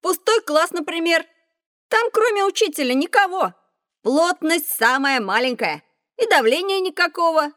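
A woman voicing a lively, curious schoolboy who asks eager questions in a children's audio drama. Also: very high-pitched, moderate pace, no room sound. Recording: dry studio recording.

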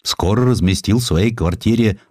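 A man narrating a historical sketch as a scripted audiobook, with theatrical, expressive delivery. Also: lowish voice, normal speed, no room sound, studio quality.

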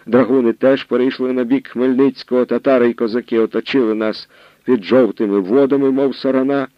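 A man's voice: medium pitch, fairly even intonation, a little fast, no room sound, dull audio, close to an everyday voice. A man voicing a frightened young male soldier who pleads and stammers out bad news, in an audiobook reading. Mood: pleading.

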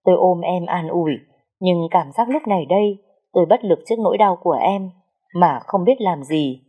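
A woman's voice: on the low side, normal speed, dark tone, husky. A woman narrating a sad first-person story in an emotional, lyrical way.

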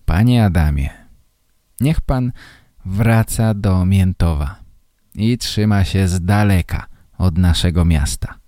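A curt small-town policeman, as read by a male narrator, slightly raised over a low, dark voice. He speaks slowly and officially, close to a dry mic, in a story read for language learners. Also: dry recording. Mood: stern.

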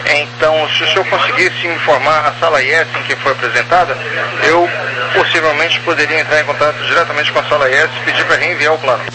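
A man's voice: on the high side, steady tone, fast. Male air traffic controller on noisy radio. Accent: Brazilian. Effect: aviation two-way radio. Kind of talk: procedural radio clearances. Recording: noisy radio channel with hum.

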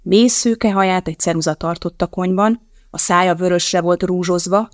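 An audiobook narrator reading a novel in an even, measured storytelling manner. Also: medium pitch, no room sound, studio quality. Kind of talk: scripted narration.

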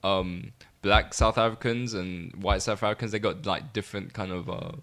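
Dude on a podcast, bright forceful voice, always going yeah yeah yeah. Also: male voice, fairly low pitch, steady tone. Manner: chatty, lots of quick yeahs and interjections. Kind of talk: casual chat.

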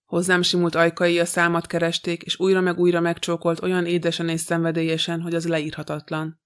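A man reading a novel aloud in the first person, in an even, measured way. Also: fairly high pitch, smooth. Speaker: audiobook reader.

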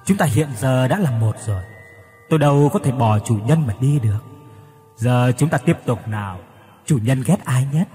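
A man's voice: mid-range voice, expressive, moderate pace, warm tone, in a large hall, soft background music, natural voice. A man voicing a sly, mocking male demonic shadow spirit in an audio story, speaking in a taunting way. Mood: sly coaxing. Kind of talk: audiobook character voice.

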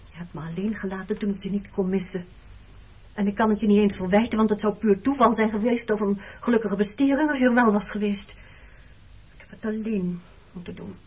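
A woman acting in a radio play as a hurt, reproachful married woman facing her former lover, speaking in a measured, intimate, accusing way with a slightly husky voice. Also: medium pitch, darkish tone, close to an everyday voice. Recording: dull lo-fi old radio recording.

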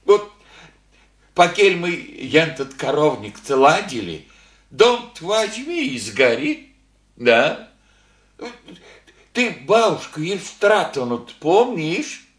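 A slow, folksy old village father. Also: fairly high pitch, big pitch swings, fairly bright tone, reverberant, heavily acted. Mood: mournful. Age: older. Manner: folksy rural speech, slow and rambling, sighing. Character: old village widower, gentle, grieving, folksy. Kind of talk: radio play acting.

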